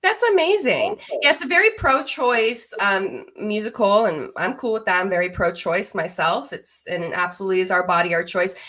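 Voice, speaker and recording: A woman in her thirties hosts a podcast with a medium-pitched voice. She talks informally and conversationally, with an enthusiastic, affirming manner toward her guest. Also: lively intonation, normal speed, hardly any pauses, a bit bright. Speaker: podcast host. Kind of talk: casual conversational interview.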